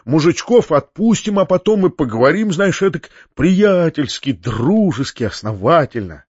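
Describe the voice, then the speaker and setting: Fussy older landowner, flustered and pleading, read by a man, high, dry muffled audiobook. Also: sing-song, darkish tone, husky, no room sound. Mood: eager. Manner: flustered, pleading, quick-talking. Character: fussy, kindly older male landowner uncle. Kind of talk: audiobook character reading.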